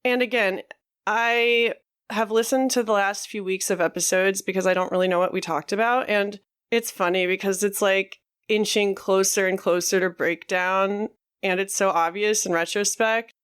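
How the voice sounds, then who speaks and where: Smooth-voiced woman, frank and halting. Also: mid-range voice, steady tone, a bit bright. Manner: frank, halting, many fillers. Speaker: podcast co-host. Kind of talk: candid conversational podcast talk.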